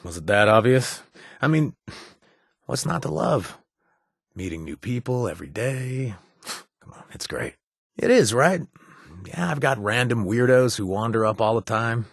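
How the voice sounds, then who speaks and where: An actor playing a wry, joking former raider who is protective of his friend, with a husky voice. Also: medium pitch, expressive, a little slow, long pauses, no echo, studio quality. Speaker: game companion. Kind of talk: video game voice lines.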